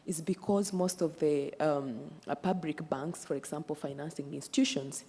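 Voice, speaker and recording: A woman panelist speaking in a measured, deliberate way. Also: sits low, fairly even intonation, dark tone, long reverb tail, a little hiss or hum. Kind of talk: panel discussion remarks.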